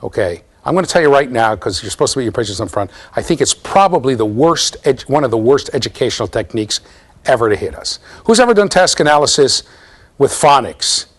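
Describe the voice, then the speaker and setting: A man's voice: medium pitch, sing-song, a little fast. A man in his fifties giving a university lecture in a classroom, explaining eagerly and often checking in with "okay?" and "right?". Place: classroom with bookshelves.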